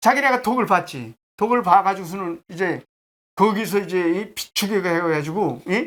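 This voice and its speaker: A man's high voice in a North Korean accent, fairly slow, with ordinary pitch variation. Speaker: North Korean defector, former missile unit soldier. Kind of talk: interview.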